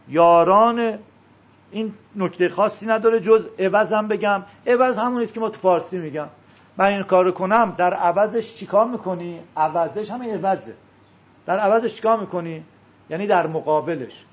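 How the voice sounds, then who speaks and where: A man with a high, slightly husky voice teaches a class. He explains at length and drags out words slowly as he demonstrates pronunciation. The recording sounds muffled and lo-fi. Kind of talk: classroom lecture explaining a text.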